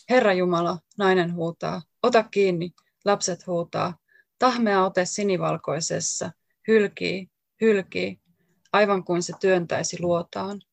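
A woman author reading her own poetry aloud in slow, deliberate short lines. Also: fairly low pitch, creaky, no echo.

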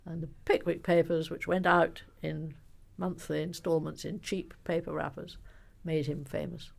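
Gravelly woman, animated storyteller. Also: sits low, moderate pace. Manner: animated storyteller, emphatic, frequent ums. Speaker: biographer and author being interviewed. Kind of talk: conversational interview.

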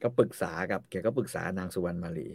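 A man casually retelling an old story, lively and acting out the characters as he goes. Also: low voice, fast talker. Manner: lively, acts out the characters' voices. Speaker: podcast storyteller.

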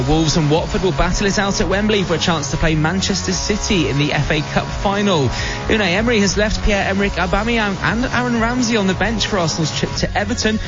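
A man's voice: on the high side, lo-fi sound. A British man presenting live sport on the radio from a studio, with an emphatic broadcast delivery. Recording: music behind the voice. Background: music.

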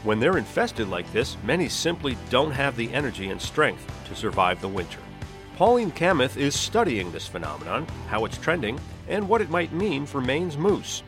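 A man's voice: medium pitch, sing-song, moderate pace, music in the background. A man hosting a podcast, reading scripted narration in the manner of a nature documentary. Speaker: podcast host.

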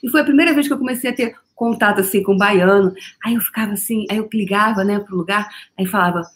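A Brazilian woman runs a casual spiritual coaching workshop on a live stream, talking fast in a mid-range voice that is animated and playful. She laughs often and slips into repeated, chant-like phrases between loose, chatty stretches.

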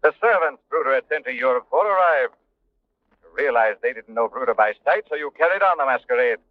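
An actor playing a mysterious, mocking avenger of crime with a deliberate, menacing delivery in old radio drama style. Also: male voice, medium pitch, expressive, no room sound, lightly acted. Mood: accusing. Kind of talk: 1940s radio drama acting. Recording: tinny, narrow old radio recording.

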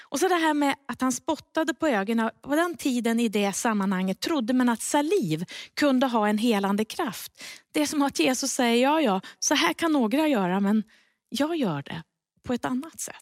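A woman giving a sermon, reading Bible stories aloud and dropping soft and low when she gives quoted words. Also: lively intonation, dry recording, studio quality. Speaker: preacher.

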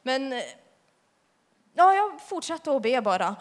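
Chatty young woman in reverberant church. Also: high voice. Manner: lively, chatty, laughs often. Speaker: youth leader giving a testimony. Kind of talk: church testimony. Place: church hall.

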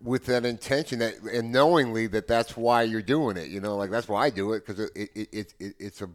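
An American man in his seventies talking casually and earnestly as a podcast guest, often halting and repeating his words as he goes. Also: on the low side. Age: 70s. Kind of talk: casual conversation.

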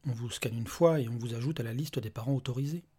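A man voicing a calm male robot official who speaks in an even, detached, bureaucratic way with a husky voice. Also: mid-range voice, fast talker, close to an everyday voice.

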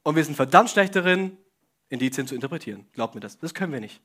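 A man's voice: on the high side, animated, fast, a bit bright. A young man giving a casual sermon, speaking straight to the congregation with questions and joking asides. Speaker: preacher.

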